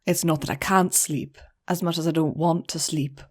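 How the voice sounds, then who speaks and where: A woman's voice: low voice, fairly even intonation, normal speed, darkish tone, husky. Bitter, stubborn pony filly, read by a woman. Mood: weary.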